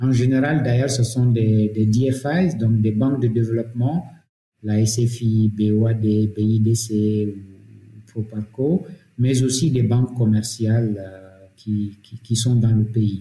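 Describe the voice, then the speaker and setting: Very slowly, a man speaks with a somewhat breathy, dark, mellow tone, a medium pitch and fairly even intonation. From Mali. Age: 50s. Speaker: hotel group founder and CEO. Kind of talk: interview. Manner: halting.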